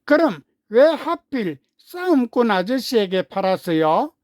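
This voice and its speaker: A man's voice: very high-pitched, sing-song, a little slow, a little mellow, no echo, studio quality, voice pushed up, heavily acted. A man reading a storybook, voicing an eager young boy who pleads insistently for his calf. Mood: pleading.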